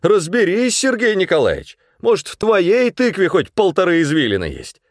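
A man voicing a furious middle-aged man who yells scornful insults. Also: high-pitched, huge pitch swings, moderate pace, no echo, clean studio sound, pitched above the performer's own voice, full character voice. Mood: furious mocking. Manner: yelling, mocking, scornful.

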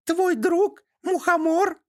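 Storybook creature: squeaky, devoted little mushroom spirit, very high. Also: male voice, steady tone, slow pace, a little mellow. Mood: eager friendly. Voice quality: thin squeaky. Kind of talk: audiobook character voice.

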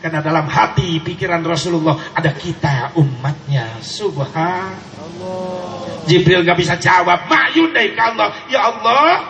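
A man with a Sundanese accent preaching a sermon, animated, swinging between shouts and soft asides. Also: on the high side, moderate pace, creaky, few pauses, a crowd in the background. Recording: echoey hall with faint noise.

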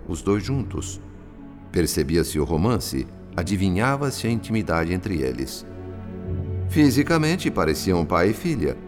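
A compassionate spirit observer telling his story in a radio drama. The voice is very low, with an expressive, rising and falling range. The delivery is solemn, deliberate and literary, set over clear background music. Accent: Brazilian. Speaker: narrator and character in a radio drama.

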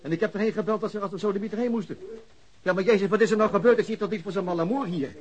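Blustering police boss, radio play: higher-set voice, rapid, impatient, sweary. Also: male voice, breathy edge. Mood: exasperated. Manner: blustering, cursing. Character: exasperated, impatient male police chief. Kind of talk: radio drama dialogue.

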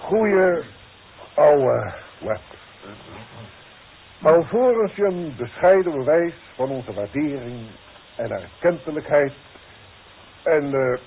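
A man's voice: on the high side, very animated, slow pace, pauses often, breathy edge, exaggerated voice. A male actor playing a formal, paternal boss, giving solemn, oratorical speech in a 1960s radio drama. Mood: solemn, proud. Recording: dull 1960s radio recording.

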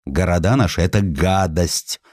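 A man narrating a literary audiobook in an expressive, dramatic and emphatic storytelling manner. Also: deep voice, moderate pace, dry recording, studio quality.

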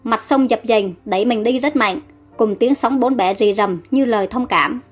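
A woman's voice: fairly high pitch, normal speed, slightly rough, faint music behind. A woman narrating a dramatic story with an emotional reading.

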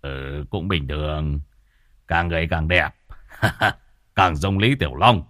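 A man voicing a gruff, boastful older exorcist who talks bluntly. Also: extremely low pitch, takes it slowly, sharp tone, no echo, studio quality, pitched below the performer's own voice, exaggerated voice. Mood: mocking. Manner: blunt, mocking.

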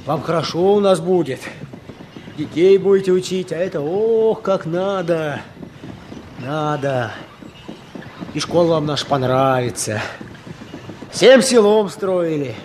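An actor playing a steady, decisive village official in a Russian radio drama. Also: male voice, on the high side, slow pace, long pauses. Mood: kindly, welcoming. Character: steady, decisive village official, male, stern yet considerate. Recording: slightly noisy old radio play recording.

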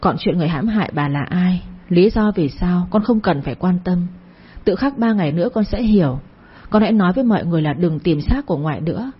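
A woman voicing the gentle ghost of an old grandmother who speaks softly and tenderly. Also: fairly low pitch, lively intonation, quick pace, breathy edge, muffled recording. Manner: soft, tender and consoling.

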